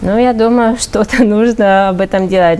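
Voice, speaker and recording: A woman's speech comes with noticeable background noise. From Russian Far East, Vladivostok. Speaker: guest sharing faith testimony. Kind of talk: testimony.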